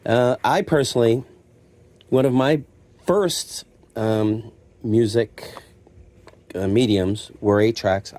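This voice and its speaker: Relaxed and mellow at an ordinary pitch, the middle-aged secondhand store owner chats loosely to camera while showing his stock. His self-deprecating patter includes acted-out imagined remarks, and background noise and clicks can be heard.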